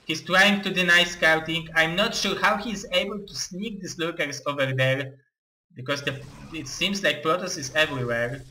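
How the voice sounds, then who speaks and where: Excitable Russian-accented game caster. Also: male voice, fairly high pitch, a little hiss or hum, rough recording. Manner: excitable, halting non-native phrasing with restarts. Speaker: esports caster and tournament host. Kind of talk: live game commentary.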